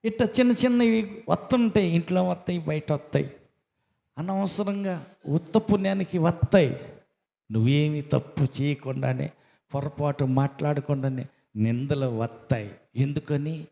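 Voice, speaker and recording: A man's voice: fairly high pitch, normal speed, vocal fry, warm tone. A male pastor preaching a sermon, asking rhetorical questions, repeating phrases and calling on the congregation for hallelujahs. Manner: exhorting, calls for hallelujahs from the congregation. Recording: dull echoey hall recording.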